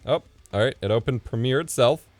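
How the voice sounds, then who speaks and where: A man in his thirties live-streaming from his home setup as he edits video, thinking out loud and muttering asides under his breath. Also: medium pitch, brisk, no echo. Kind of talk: casual live-stream commentary while video editing. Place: home streaming room, indoors. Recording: dry close mic with faint music.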